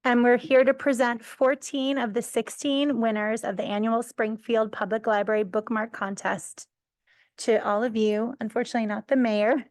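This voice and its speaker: Muffled masked woman, librarian presenting in council chambers; informal, corrects herself, somewhat high, close and dry. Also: little pitch movement, moderate pace, darkish tone, no echo. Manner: informal, self-correcting with small laughs. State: muffled, speaking through a face mask. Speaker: youth services librarian. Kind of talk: presenting at a city council meeting.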